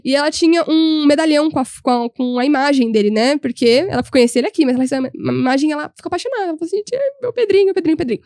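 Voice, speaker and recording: A young woman, a podcast guest telling history stories in an animated, humorous way. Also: sits high, racing, hardly any pauses, no room sound, clean studio sound. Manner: animated, humorous, voices quoted people. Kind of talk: casual storytelling chat.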